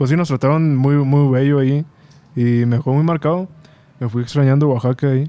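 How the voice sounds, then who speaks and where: A man with a fairly high pitch and a dark, mellow tone talks at a moderate pace with fairly even intonation. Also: very even loudness. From Mexico, Chihuahua (Meoqui). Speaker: singer-songwriter. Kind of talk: casual chat.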